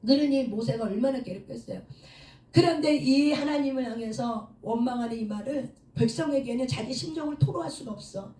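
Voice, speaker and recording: A woman pastor preaches a sermon in a high, mellow voice, leading the congregation in call-and-response. She acts out prayers and quotes with rising emotion, sometimes shouting. She is heard from a distance in an echoey hall. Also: fairly quick. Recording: echoey room, mic at a distance.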